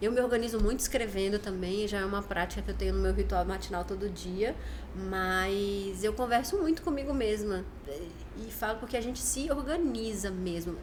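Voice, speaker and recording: Noticeable background noise and audible room echo surround a woman who talks at a fairly quick pace. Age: 40s. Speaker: mother and book discussion guest. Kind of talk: casual chat. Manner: soft-spoken.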